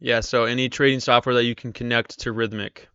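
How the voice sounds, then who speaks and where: A man's voice: mid-range voice, little pitch movement, a little fast, a bit bright, clean tone, dry recording, lo-fi sound. Man streaming while losing his voice. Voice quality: strained, tired voice. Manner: chatty, reads viewer comments aloud. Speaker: live-stream trader host. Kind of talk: casual live-stream chat.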